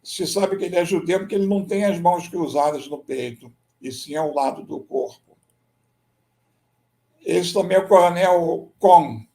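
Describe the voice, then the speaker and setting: Brazilian man giving a measured history talk. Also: a little high, mellow. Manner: measured, explanatory, with frequent "né?" tags. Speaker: military history researcher and writer. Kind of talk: slide presentation talk.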